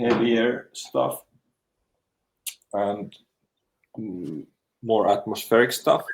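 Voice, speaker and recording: Speaking at a very slow pace with long, frequent pauses, a man talks with a Finnish accent. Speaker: metal musician. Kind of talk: podcast interview. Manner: halting.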